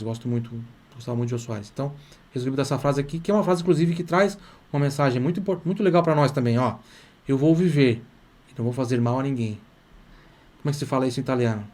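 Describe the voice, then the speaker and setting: A middle-aged man with a Brazilian accent, teaching Italian in a chatty online lesson and repeating phrases slowly for students. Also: medium pitch, darkish tone. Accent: Brazilian Portuguese. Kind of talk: live online language lesson.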